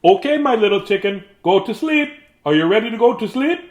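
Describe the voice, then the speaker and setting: Guy doing a storybook chicken dad, high lively voice, patient, coaxing, telling off gently. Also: a little fast, highs cut off. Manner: parental, coaxing, mildly admonishing. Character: patient, gently chiding father rooster at bedtime.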